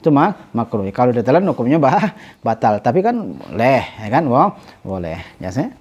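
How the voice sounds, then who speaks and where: A man teaching a religious study class, reading Arabic phrases slowly, then explaining them with many halting self-corrections and a repeated "ya". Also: medium pitch, very animated, a little mellow, slightly rough. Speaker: ustadz teaching a kitab class. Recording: dull lo-fi recording.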